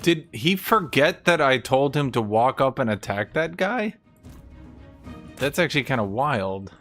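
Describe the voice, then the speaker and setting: A man's voice: mid-range voice, very animated, measured pace, a bit bright. Blunt male game streamer, music behind. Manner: blunt, sweary, wry. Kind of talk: casual live strategy game commentary to chat.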